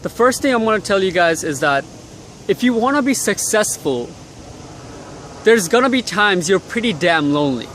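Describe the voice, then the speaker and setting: A young man from Bangladesh records a casual motivational vlog outdoors in the cold city air. He talks bluntly and swears freely, with a slightly higher voice than most men. Faint traffic hums behind him. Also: very animated, moderate pace, a bit bright. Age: young adult. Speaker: vlogger.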